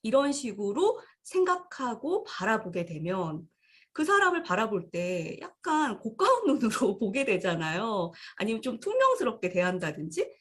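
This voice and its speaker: A woman co-hosting a psychology talk show, calmly explaining ideas with acted-out example thoughts. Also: fairly high pitch, moderate pace. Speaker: podcast co-host. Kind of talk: casual explanatory chat.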